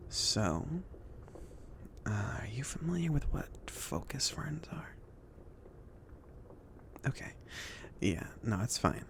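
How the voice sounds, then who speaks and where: A man playing a chill, considerate mage in an ASMR fantasy roleplay, speaking softly in a casual, hesitant, reassuring way. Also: mid-range voice, gravelly, exaggerated voice. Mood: calm, explaining. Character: chill, considerate mage sending an apprentice on errands.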